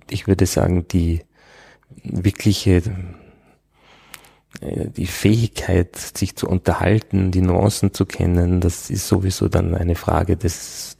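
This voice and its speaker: Man, low gravelly voice, dark and husky, measured interviewee pace with fillers. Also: dry recording. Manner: thoughtful, hesitant with frequent fillers. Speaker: interviewee, Arabic scholar. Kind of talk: conversational interview.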